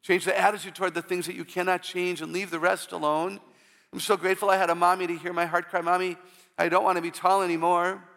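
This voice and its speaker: A woman with a low voice, often taken for a man's, giving an inspirational church talk full of humorous personal stories and call-outs to the audience. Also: flat delivery, quick pace, gravelly, fairly bright tone, long reverb tail.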